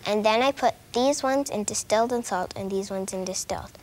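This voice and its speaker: A woman's voice: mid-range voice, brisk, a little mellow. A teenage girl on a children's science show, earnestly explaining her experiment results step by step. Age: teens. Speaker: student. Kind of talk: answering questions, reporting results. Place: studio kitchen set.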